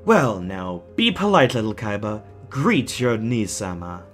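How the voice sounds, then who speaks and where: Unhinged gentleman villain, highly animated swoops, mock-sweet formality, menacing, audio drama with music behind. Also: unhurried, heavily acted. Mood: gleeful. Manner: mocking, formal, savoring his words. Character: deranged, genteel villain captor, theatrically sweet and menacing.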